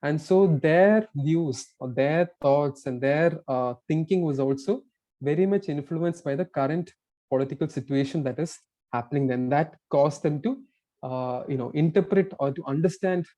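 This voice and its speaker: Mellow preacher at a pulpit microphone. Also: male voice, on the high side, moderate pace. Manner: earnest, explanatory, with frequent fillers and restarts. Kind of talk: sermon. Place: church.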